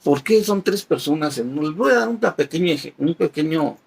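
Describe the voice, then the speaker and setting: A male catechist leads a Bible class with a gravelly, slightly husky voice pitched a little high. He reads passages aloud and then explains them patiently through simple everyday examples. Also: expressive, a little fast.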